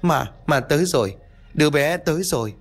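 A man's voice: fairly high pitch, animated, a little fast, soft background music, voice pushed up. A man voicing a terrified young mother who raves in broken, repeating cries. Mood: frightened.

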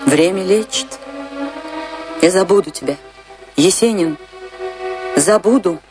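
Lovelorn woman dancer, low-pitched, unhurried, dramatic and wistful, radio play, music underneath. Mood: grieving, wistful. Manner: dramatic, slow, emotional delivery. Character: passionate, grieving woman dancer in love, wistfully remembering. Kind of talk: theatrical radio drama acting.

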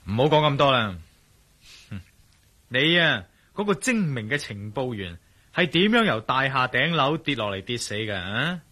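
A wry, cool adventurer hero. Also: male voice, medium pitch, sing-song, normal speed, bright, forceful tone. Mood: mocking. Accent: Cantonese. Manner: wry, muttering inner monologue. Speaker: lead and narrator of his own thoughts. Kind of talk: Cantonese radio drama acting.

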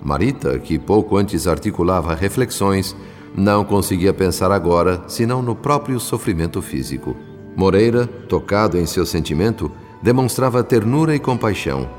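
Low, reverberant solemn spirit narrator. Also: male voice, lively intonation, darkish tone. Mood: grave, compassionate. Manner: solemn, literary, measured. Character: solemn male spirit narrator recounting events he witnessed. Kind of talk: dramatized scripted narration. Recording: long hall reverb, faint music behind.

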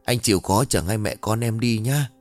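A man's voice: fairly low pitch, normal speed, a little mellow, no room sound, soft background music, natural voice. A man reading the lines of a grieving middle-aged mother who has lost touch with reality, in a sing-song, doting way, in a spoken ghost story. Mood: eerily cheerful. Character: grieving middle-aged woman, eerily cheerful, unhinged.

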